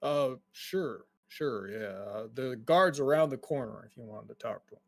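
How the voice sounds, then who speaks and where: A man's voice: medium pitch, moderate pace, gravelly, close to an everyday voice. A man voicing a meek young male dwarf worker who stammers and apologizes, his voice lighter than other dwarves. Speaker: game master. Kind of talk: tabletop game role-play.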